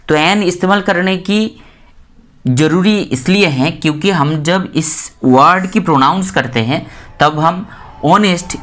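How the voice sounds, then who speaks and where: A woman from India teaching English grammar in Hindi, saying each example word slowly and more than once to stress it. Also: rumbling low. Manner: repeats example words slowly and stresses them. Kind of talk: explanatory lesson in Hindi.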